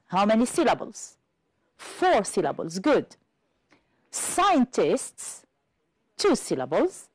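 Woman teacher, unhurried and precise, melodic delivery, dry studio. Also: medium pitch, darkish tone, no echo. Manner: careful, deliberate, spells out pronunciation. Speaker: English teacher. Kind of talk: slow clear classroom instruction.

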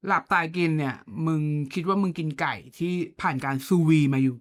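A woman's voice: deep voice, a little fast. A woman co-hosting a podcast, chatting casually with blunt, slangy banter and playful comparisons. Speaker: podcast co-host. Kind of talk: casual chat.

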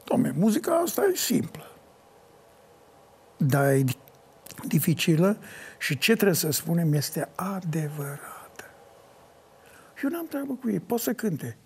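An older man answering interview questions in an animated way, breaking into sung folk lines as he talks. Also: a little high, creaky, pauses often, slightly rough. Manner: animated, sings folk lines mid-talk. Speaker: folk singer.

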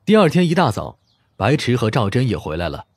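A man's voice: medium pitch, wildly swooping pitch, a little fast, husky, no echo, studio quality. A man reading a mystery novel as a scripted audiobook narration.

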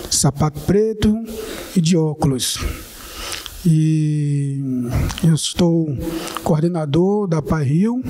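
High-voiced Bahian man, mellow tone. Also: a little hiss or hum. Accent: Bahian Portuguese. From Bahia, Brazil. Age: 40s. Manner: earnest and informal, often adds a questioning tag. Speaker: panelist, social assistance coordinator. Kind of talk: panel talk, personal account. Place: indoor studio panel, seated among guests.

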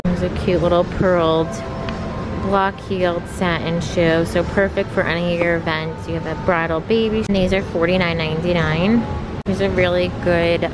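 A woman's voice: fairly low pitch, rough recording. A woman filming a shoe-store haul, chatting through styles and prices in an upbeat, casual way. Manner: chatty, upbeat product rundown listing prices. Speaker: fashion vlogger. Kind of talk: shop-with-me shoe haul narration. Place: shoe store aisle, indoors. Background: background music.

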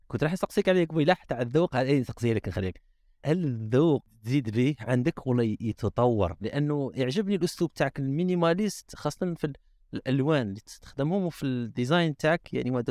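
Rapid Algerian man co-hosting. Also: mid-range voice, a little mellow, no room sound, studio quality. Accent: Algerian Arabic. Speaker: podcast co-host. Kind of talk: casual podcast chat.

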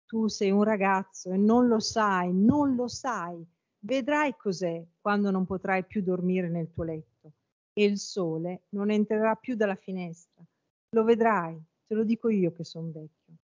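A woman's voice: mid-range voice, measured pace, a little mellow, close to an everyday voice. A woman voicing a sorrowful, stubborn old fisherman grandfather, in a dull lo-fi recording.

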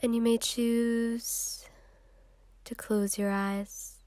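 A woman leading a guided meditation in a soft, soothing, unhurried way with long pauses, breathy at times. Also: a little high, flat delivery, dry recording.

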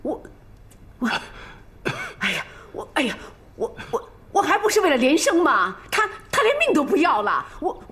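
An actress playing a fussy, doting but hard-hearted matriarch of a rich family in a period TV drama, coaxing with sighing exclamations. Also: female voice, high voice, wildly swooping pitch, normal speed, sharp tone, exaggerated voice. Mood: flustered.

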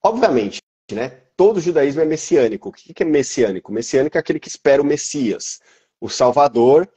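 A man in his thirties from Brazil, a teacher speaking as an interview guest on a video call through an earphone headset, calm and explanatory. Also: a little high, a little fast, breathy edge. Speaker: biblical Hebrew teacher, guest.

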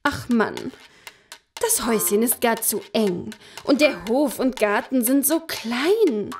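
A woman's voice: animated, slow, slight background noise. A woman playing a whiny, greedy fisherman's wife. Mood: coaxing. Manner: whiny, coaxing, high and sing-song. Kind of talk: radio play acting.

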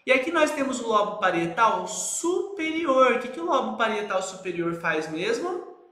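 A man's voice: very high voice, sing-song, moderate pace, sharp tone, roomy sound. A male teacher giving a recorded lecture, asking rhetorical questions and checking in with his students as he goes. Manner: didactic, asks rhetorical questions and checks in with "tá, gente?".

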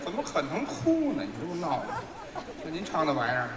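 A man performing as the straight man in live crosstalk comedy, firing back quick, stubborn, mock-indignant retorts. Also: on the high side, huge pitch swings, crowd noise. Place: large theater stage. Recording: echoey hall with loud audience. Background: loud audience laughter.

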